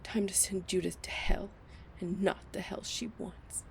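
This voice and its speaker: A woman's voice: medium pitch, fairly even intonation, a little slow, gravelly, in a whisper. A woman playing a devoted, grief-stricken and defiant young heroine in an audio drama. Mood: grim, defiant.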